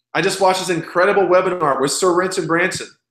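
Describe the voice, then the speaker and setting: Against a quiet background with audible room echo, a man with an American accent speaks fairly quickly in a high pitch with a bright, sharp tone. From Texas. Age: 30s. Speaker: network marketing presenter; presenter. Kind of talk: sales pitch. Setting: video call. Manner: casual. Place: home room. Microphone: webcam.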